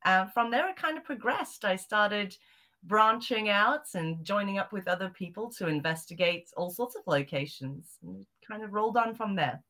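Bright-voiced woman guest from southern Africa. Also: mid-range voice, lively intonation, normal speed. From Zimbabwe and South Africa. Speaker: guest, psychic medium and author. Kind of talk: interview answers.

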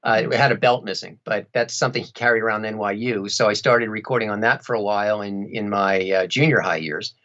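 Male interview guest, lowish pitch, wry casual storyteller, slightly muffled lo-fi audio. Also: fairly even intonation, fairly quick, hardly any pauses, a bit bright. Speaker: interview guest, audiobook narrator and radio play performer.

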